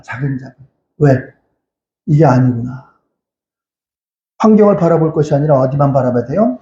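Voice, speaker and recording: In a church sanctuary, a male pastor with a fairly high-pitched, gravelly, dark-toned voice preaches a sermon. He asks questions and answers them himself, repeats phrases, and cries out hallelujah again and again. The recording is echoey and dull, with slight background noise.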